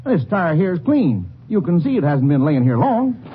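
A blustery, high-pitched, defensive townsman. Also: moderate pace. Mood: pleading, defensive. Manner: excitable, protesting. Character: blustery, defensive small-town Texas family man. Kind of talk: 1950s western radio drama acting. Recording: tinny, noisy vintage radio broadcast.

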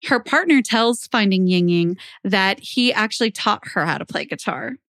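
A woman's voice: medium pitch, lively intonation, normal speed, a bit bright, no room sound. Woman narrating true crime, very dry sound. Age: young adult. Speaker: podcast host.

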